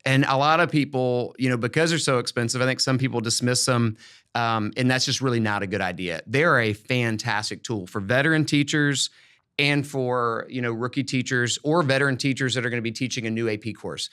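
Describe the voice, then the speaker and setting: A man's voice: medium pitch, brisk, fairly bright tone, smooth. A man hosting a podcast, chatting casually and giving encouraging, emphatic, folksy advice about teaching. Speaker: podcast host and education expert.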